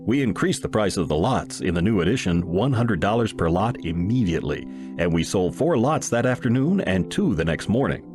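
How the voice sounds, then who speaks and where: A man's voice: on the low side, sing-song, normal speed, over music. A man reading a humorous first-person short story aloud in the manner of a wry storyteller. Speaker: audiobook reader.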